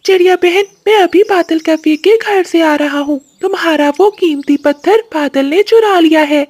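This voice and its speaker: A woman voicing a friendly, chatty male parrot in a cartoon. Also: normal speed. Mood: worried. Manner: excited, squeaky.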